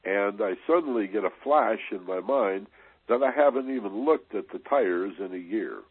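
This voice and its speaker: A deep, husky-voiced man talks through a motivational radio segment in a loose, conversational way, leaning on "you know" and "right?". The sound is dry and close, squeezed into a narrow, phone-like band. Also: animated, normal speed, no room sound. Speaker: radio host.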